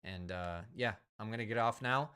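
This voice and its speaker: A man's voice: fairly low pitch, moderate pace, pushed and bright, clear, resonant tone. A man in his thirties, a streamer wrapping up a live stream in rambling casual chat, a little tipsy and slurring his words. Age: 30s. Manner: rambling, self-repeating, chatty.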